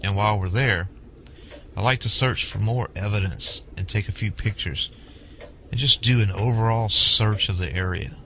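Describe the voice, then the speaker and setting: A man's voice: fairly low pitch, moderate pace, pushed and bright, a little hiss or hum. A man playing a polite, methodical field researcher in an amateur audio drama, asking questions in a businesslike, courteous way. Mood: polite, inquiring. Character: polite, methodical male Bigfoot researcher leading an interview.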